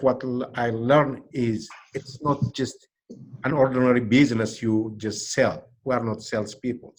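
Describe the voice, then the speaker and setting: A man's voice: medium pitch, a little mellow, a little hiss or hum. A middle-aged man from Ethiopia with an Ethiopian accent, speaking earnestly and carefully about his work as an insurance agent in his second language. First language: Amharic or another Ethiopian language.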